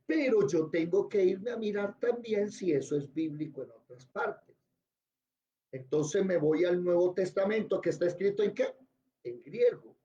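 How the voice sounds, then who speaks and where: A man's voice: high voice, expressive, unhurried, mellow, reverberant. A man teaching a classroom Bible lesson. He spells out words letter by letter and quizzes his students. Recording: dull lo-fi recording.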